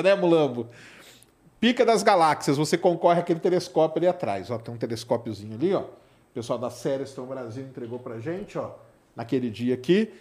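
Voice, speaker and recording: A Brazilian man with a fairly high voice hosts a live podcast. He speaks casually and with plenty of slang. He often ends phrases with short questions seeking agreement. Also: darkish tone. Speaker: podcast host. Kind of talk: casual live-show chat.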